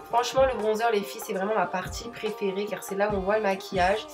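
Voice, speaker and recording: A woman's voice: mid-range voice, fairly even intonation, fast talker, over music. Chatty young woman doing voice-over. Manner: chatty, enthusiastic, addresses viewers as girls. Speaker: beauty vlogger. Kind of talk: makeup tutorial voice-over.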